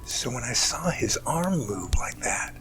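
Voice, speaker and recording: A man acting in an amateur audio drama as an emotional man haltingly recounting a rescue that overwhelmed him. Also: mid-range voice, big pitch swings, whispered, over music, poor audio. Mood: shaken, intense.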